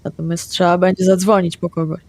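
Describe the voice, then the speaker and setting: A woman playing a tabletop vampire game, declaring her character's actions in a quick, plain manner. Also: fairly low pitch, flat delivery, vocal fry, a little mellow, no echo. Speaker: player.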